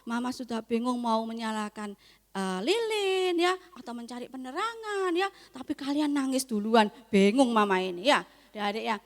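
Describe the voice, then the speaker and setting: A young woman teaching a Sunday school lesson, coaxing and lively with the children. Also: fairly high pitch, normal speed. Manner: lively, coaxing, talks to kids. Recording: echoey hall.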